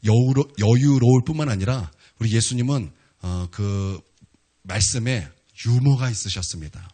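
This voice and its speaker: A man's voice: mid-range voice, normal speed, warm tone, slightly rough. A man preaching a sermon as a pastor. He tells stories casually and with humor, using many fillers, and builds to emphatic declarations.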